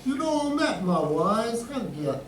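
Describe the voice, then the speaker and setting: A man playing an excitable, rambling comic Aladdin with a Scottish accent in a sketch. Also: very high voice, slow, full character voice. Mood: indignant. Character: rambling excitable Aladdin, a pantomime storyteller with faux French airs. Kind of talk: comic radio-sketch banter. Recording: roomy, distant mic, faint noise.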